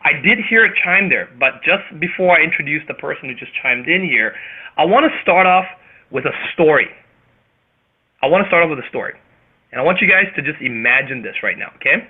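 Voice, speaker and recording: A man with a Canadian accent hosting a motivational group conference call, speaking emphatically and theatrically with dramatic pauses. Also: on the high side, expressive, breathy edge. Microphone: phone or web conference call. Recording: tinny phone-line radio sound.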